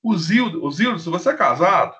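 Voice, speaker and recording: A man's voice: high voice, animated, fairly quick, fairly bright tone. A man with a Brazilian Portuguese accent teaching a live online chemistry class, playful and joking as he acts out little scenes with students. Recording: dull lo-fi stream audio.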